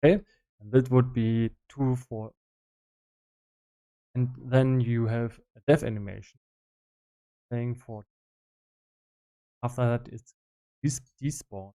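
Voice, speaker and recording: A man with a mid-range, dark-toned voice gives casual live-stream commentary as a game developer. He keeps a steady tone while explaining his work in halting fragments, thinking aloud as he goes.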